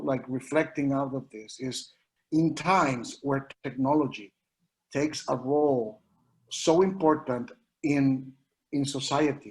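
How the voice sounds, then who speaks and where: Earnest Mexican man, halting speech. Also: medium pitch, low-quality recording. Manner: earnest, halting, frequent restarts. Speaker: educator panelist. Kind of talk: online panel discussion.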